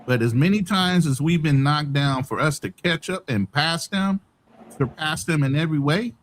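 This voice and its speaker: A man's voice: fairly high pitch, moderate pace, a little hiss or hum. A man co-hosting a casual talk show, speaking in an emphatic, preachy way.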